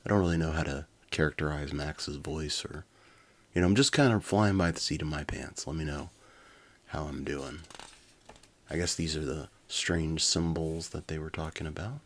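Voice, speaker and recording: Deep-voiced man reading a storybook. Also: steady tone, moderate pace, a little hiss or hum. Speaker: reader and commentator. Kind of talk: storybook narration with casual commentary.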